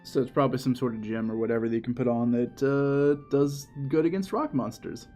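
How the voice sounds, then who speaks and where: A young man co-hosting a game playthrough, talking casually and haltingly, filling gaps with "like" and "um.". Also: medium pitch, warm tone. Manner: halting, hedging, lots of "like" and "dude". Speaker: co-host. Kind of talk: casual gameplay chat. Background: faint game music.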